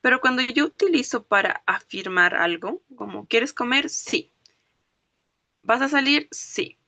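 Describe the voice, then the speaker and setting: A woman's voice: on the high side, expressive, sharp tone, no echo. A woman teaching a grammar lesson, explaining step by step and often checking that her students follow with "¿ok?". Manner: explains slowly, checks understanding with "¿ok?" and "¿no ve?". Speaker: language teacher. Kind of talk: classroom lecture.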